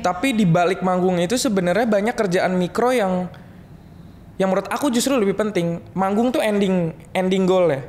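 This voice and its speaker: Reflective young man, slightly high voice. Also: moderate pace, darkish tone. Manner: reflective, joking, many restarts and slang. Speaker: guest musician. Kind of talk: casual podcast chat.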